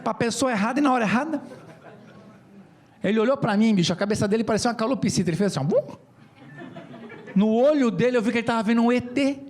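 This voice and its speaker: São man, lively comic storyteller, high voice, slangy. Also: fast talker, long pauses. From São Paulo, Brazil. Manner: animated, joking, slangy. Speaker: speaker at an event. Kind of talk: comedic storytelling talk. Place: stage at a conference.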